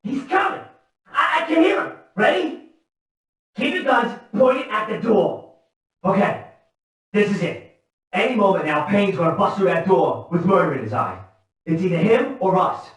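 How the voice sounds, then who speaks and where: A jumpy gangster gunman from a crime game, talking tough. His high voice sounds distant and heavily echoed, full of anxious bravado. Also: big pitch swings, normal speed, long pauses, a bit bright. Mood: tense bravado. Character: tense, tough-talking mob gunman lying in wait. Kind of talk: crime video game voice acting.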